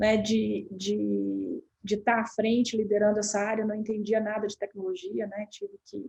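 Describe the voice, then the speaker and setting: A woman speaks with a dark, mellow tone at a fairly high pitch. Her voice is somewhat breathy. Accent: Minas Gerais. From Minas Gerais, Brazil. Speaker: healthcare company executive. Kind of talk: panel discussion.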